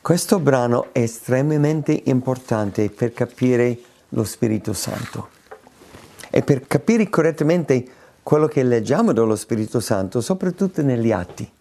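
A man's voice: mid-range voice, animated, measured pace, mellow. A man preaching a sermon in an emphatic way, repeating words for stress.

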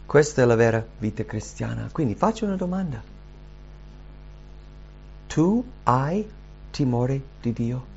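A man preaching a sermon in an earnest, dynamic way, rising for emphasis and dropping low and soft. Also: animated, a little slow, gravelly, pauses often, a little hiss or hum. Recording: dull lo-fi recording.

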